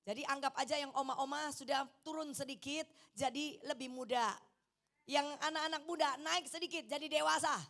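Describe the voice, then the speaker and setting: A middle-aged woman preacher with an East Javanese accent and a high voice. Her delivery is animated, and she mixes in Javanese phrases. She coaxes her congregation to answer her with amen. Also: moderate pace. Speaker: evangelist preacher. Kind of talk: lively sermon. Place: church hall.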